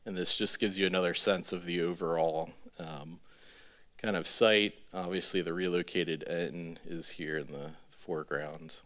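Man, thirties, deep-pitched voice, developer presenting to a meeting, informal, halting, filler-heavy. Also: steady tone, a bit bright. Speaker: real estate developer presenting a project. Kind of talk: informal public presentation with slides. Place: large indoor meeting room with seated audience. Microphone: podium gooseneck microphone.

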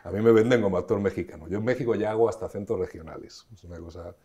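A man's voice: lowish voice, rapid-fire, warm tone, muffled recording. A middle-aged man from Spain, an actor being interviewed, telling stories expansively with frequent restarts. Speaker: actor, guest. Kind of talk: conversational interview.

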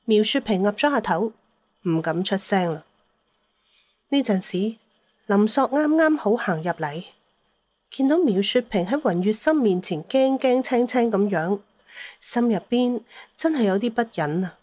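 Female Cantonese storyteller, mid-pitched, dramatised audiobook narration, dry and close. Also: lively intonation, unhurried, a little mellow, no echo.

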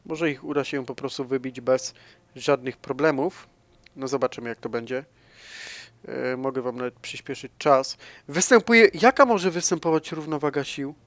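A man commentating his own strategy gameplay, thinking aloud, addressing viewers and swinging between soft mumbling and sudden loud exclamations. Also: medium pitch, moderate pace, dry recording. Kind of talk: casual let's-play commentary.

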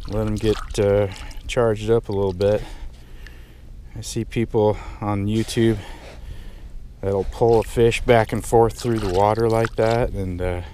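A man's voice: fairly low pitch, measured pace. A middle-aged man from the United States, a fishing vlogger talking casually on a rocky lake shore while he fishes. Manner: relaxed, explanatory, excited when hooking fish. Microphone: camera mic, often head-mounted. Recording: outdoor wind noise.

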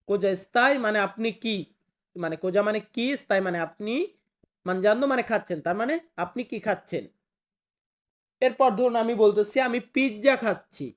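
A woman teaching a casual spoken language lesson, who explains patiently, repeats phrases slowly and answers imagined objections in a chatty way. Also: mid-range voice.

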